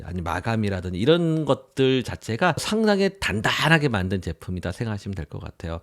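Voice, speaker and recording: A man presenting a product review in an informal explanatory way, posing his own questions and stressing his sentence endings. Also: medium pitch.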